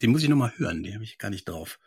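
A man's voice: lowish voice, lively intonation, racing, darkish tone, breathy edge, dry recording, clean studio sound. A man, chatting casually as a podcast co-host. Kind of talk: casual chat between co-hosts.

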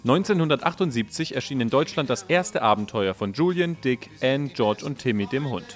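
A man's voice: medium pitch, animated, moderate pace. Scripted male narrator over light music. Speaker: narrator of an introduction segment. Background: soft music.

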